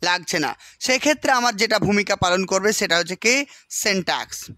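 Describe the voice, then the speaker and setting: A man with a West Bengal Bengali accent gives an exam-prep lecture in a very high, bright voice. He reads English lines slowly, then breaks them down with rhetorical questions. The sound is close and dry. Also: expressive, no echo. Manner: keeps asking rhetorical questions and checking understanding. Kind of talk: explanatory lecture.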